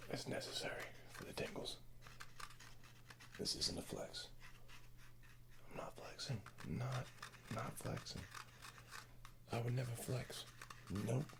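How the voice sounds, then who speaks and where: A man whispers at a fairly slow pace with long, frequent pauses, over noticeable background noise. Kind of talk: ASMR video. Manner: whispered.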